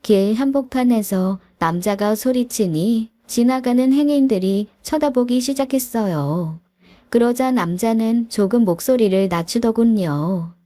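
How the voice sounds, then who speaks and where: Woman, story narrator, first person, mellow higher voice, dry close mic. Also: unhurried, no echo. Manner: plain storytelling, looks back on events.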